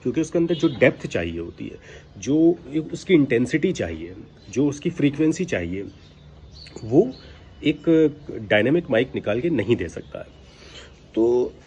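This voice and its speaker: A man coaches voice-over work in an informal, emphatic, scolding way, tossing out rhetorical questions. His mid-range voice is very animated and a little mellow, at a moderate pace. It was recorded on a built-in device mic with no external microphone, so outdoor ambient noise comes through.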